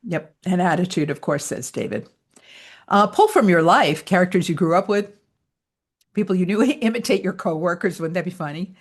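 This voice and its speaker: Teaching voice actors online, this woman talks at normal speed in a lowish, animated voice, chatting through her explanations and laughing readily as their voice-over coach.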